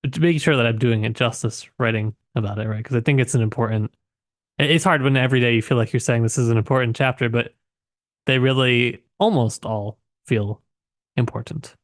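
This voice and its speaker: With a medium-pitched voice and a slightly fast delivery, this podcast co-host talks casually about a novel, hesitating and groping for words as he thinks things through. The recording is studio quality, with no echo.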